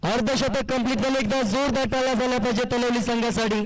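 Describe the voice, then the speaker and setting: High-pitched man calling cricket. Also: steady tone, fast, low-quality recording. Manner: addresses players and crowd, calls for applause. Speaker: cricket commentator and match announcer. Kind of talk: live local tournament commentary.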